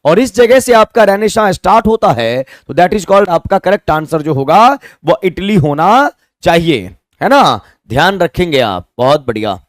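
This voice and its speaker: A man with an Indian accent leads a live online English lesson in a mix of Hindi and English. His voice sits high and swings widely in pitch as he spells terms letter by letter. The sound is dry and close, with no room around it. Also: sing-song, unhurried, hardly any pauses, dry recording. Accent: Indian, Hindi-speaking. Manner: mixes Hindi and English, asks viewers to comment answers. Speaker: English teacher. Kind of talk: live online exam-prep class.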